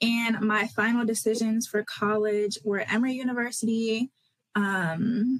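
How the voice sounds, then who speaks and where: Against a quiet background, a woman with an American accent speaks fairly high and somewhat breathy, with fairly even intonation. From US West. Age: 20s. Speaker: college student. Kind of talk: panel discussion. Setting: video call. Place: home room.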